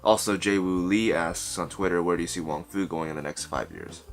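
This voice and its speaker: A man's voice: deep voice, fairly quick, faint music behind. A man in his twenties answering viewer questions in a casual vlog, talking thoughtfully and correcting himself as he goes, seated close to the camera in a small bedroom. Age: 20s. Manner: thoughtful, self-correcting, expressive hand gestures. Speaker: vlogger. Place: small bedroom at night, indoors. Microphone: camera mic, seated close to camera.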